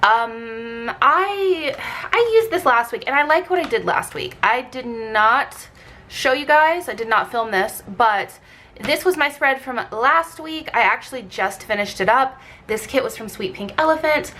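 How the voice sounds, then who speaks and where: A woman's voice: on the high side, animated, unhurried, pushed and bright. A woman with a stuffed-up, blocked nose and slightly scratchy throat, narrating a craft vlog in a casual, informal, rambling way. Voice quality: congested, blocked-nose sound. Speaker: planner vlogger.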